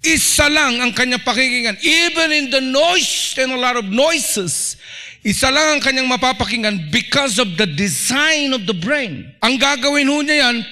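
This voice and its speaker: A middle-aged man from the Philippines, a pastor preaching a lively sermon in a church and acting out little everyday scenes. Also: very high voice.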